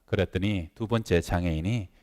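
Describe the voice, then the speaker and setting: A man's voice: sits low, moderate pace, darkish tone. A middle-aged man, a pastor, preaching a sermon in a church and acting out the voices in his stories. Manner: acts out quoted voices in stories. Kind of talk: sermon with storytelling. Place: church sanctuary. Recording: church hall reverb.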